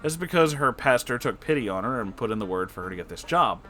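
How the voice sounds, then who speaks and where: A man reading a story aloud as an online narrator, expressive and casual, with dramatic delivery. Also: mid-range voice, fast. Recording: music behind the voice. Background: background music.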